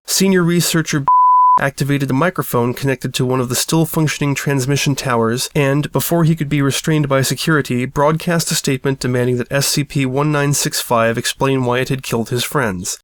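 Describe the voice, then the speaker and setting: A narrator reads scripted fiction as a formal incident report. The delivery is measured and matter-of-fact, in a medium-pitched voice with a close, dry sound. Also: dry recording.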